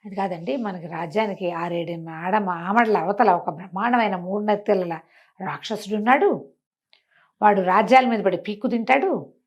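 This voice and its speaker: A woman's voice: medium pitch, moderate pace, highs cut off, close to an everyday voice. A cunning minister of a folk-tale court, voiced by a woman storyteller. He is sly and explains his schemes coolly, step by step. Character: cunning, plotting royal minister, adult man.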